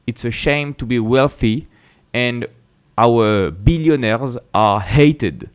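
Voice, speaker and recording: A man's voice: medium pitch, slow pace, clean tone. A man with a French accent, a native French speaker, host of an investing channel, talking to camera in an emphatic way with rhetorical questions. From France. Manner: emphatic, repeats words and restarts, rhetorical questions. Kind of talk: casual explanatory talk to camera.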